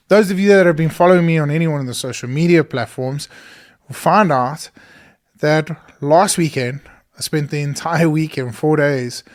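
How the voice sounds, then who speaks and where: A hoarse man, talking earnestly and enthusiastically in a solo podcast from a studio. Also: on the high side. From South Africa. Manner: earnest and enthusiastic, many fillers. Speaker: podcast host. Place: small studio.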